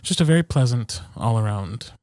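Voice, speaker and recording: A man's voice: medium pitch, lively intonation, moderate pace, a little mellow, no room sound, studio quality. A man co-hosting a podcast in casual chat, with wry, self-deprecating humor. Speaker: podcast co-host. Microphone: close podcast microphone, dry sound.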